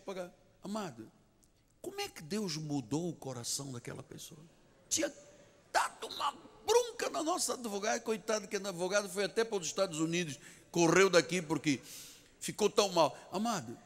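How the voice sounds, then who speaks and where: A man with a Portuguese accent preaching a sermon as pastor, telling a story with emphatic repetition of key phrases. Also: high voice. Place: large church sanctuary. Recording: long church reverb.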